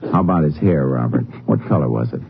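An actor playing a steady Texas Ranger in a 1950s radio drama, terse and methodical, narrating and questioning in a matter-of-fact way. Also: male voice, very deep voice, quick pace, gravelly, breathy edge, exaggerated voice. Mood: calm questioning. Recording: dull old 1950s radio recording, music.

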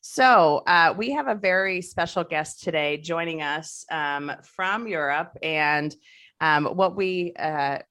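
This is a woman hosting a podcast, with a fairly low voice for a woman. She chats in an upbeat, casual way and laughs easily. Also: slow pace, a bit bright, clear, resonant tone. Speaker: podcast host.

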